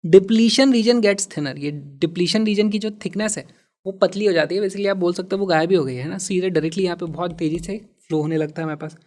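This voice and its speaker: A man teaching physics and walking through exam problems in a lively way. He stresses key words and mixes in English terms. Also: high-pitched, brisk.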